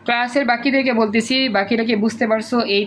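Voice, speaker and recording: A man with a Bangladeshi Bengali accent teaching an online class over a video call. He repeats words slowly to drill pronunciation and calls on students by name. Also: very high-pitched, fairly even intonation, a bit bright, a little hiss or hum. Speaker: tutor.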